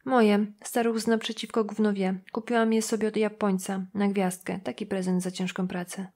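A woman voicing a brash, sharp-tongued woman around thirty who talks in a cocky, mocking way. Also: mid-range voice, flat delivery, normal speed, close to an everyday voice.

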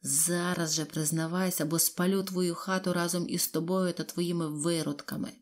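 A woman voicing a brutal, red-faced male officer with a rough voice, who gives slow, menacing orders in an audiobook. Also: a little high, flat delivery, lightly acted.

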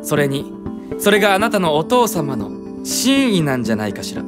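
A man's voice: fairly high pitch, very animated, normal speed, music in the background. A man playing a flamboyant, sassy young stage professional with camp, feminine phrasing in a voice drama. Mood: composed. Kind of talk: anime-style voice drama acting.

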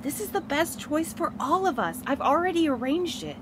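A woman acts an earnest postmaster in an audio drama, ready to sacrifice herself. Her voice is fairly high and natural. Clear ambient noise sits behind her. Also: big pitch swings, normal speed. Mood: pleading, defensive.

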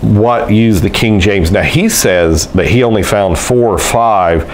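A middle-aged pastor, seated at a desk in a small room and talking conversationally to a camera in front of him, reading quotes aloud between frequent uh pauses. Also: male voice, lowish voice, slight background noise. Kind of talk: casual teaching video reading quotes aloud. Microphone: fixed camera in front of the desk.

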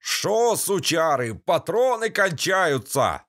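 A man voicing a crude, nasal-voiced bandit leader who shouts mocking taunts in an audiobook. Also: fairly high pitch, sing-song, slow pace, voice pushed up, heavily acted. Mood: jeering taunts.

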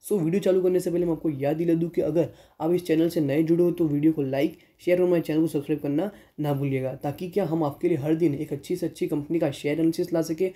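Dark-voiced man reading stock figures. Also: on the high side, steady tone, fast, hardly any pauses. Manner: mixes English terms into Hindi, reads figures aloud with self-corrections. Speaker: stock market channel host. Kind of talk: voice-over stock analysis.

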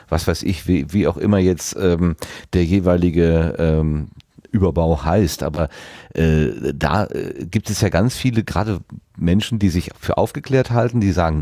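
A man's voice: low voice, dark tone, dry recording, clean studio sound. A man interviewing a podcast guest in a conversational way, reflective and thinking aloud as he frames his questions.

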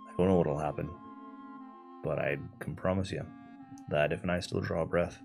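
A man's voice: low voice, steady tone, normal speed, creaky, music in the background. A man playing a solemn, folksy dwarf cleric adventurer in a tabletop game. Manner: solemn, folksy, calls others lad.

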